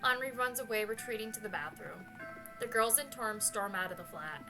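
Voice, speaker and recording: A woman's voice: a little high, expressive, moderate pace. A woman hosting a game video, switching between reading narration aloud and playful casual commentary. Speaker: gaming video host. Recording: background music under the voice.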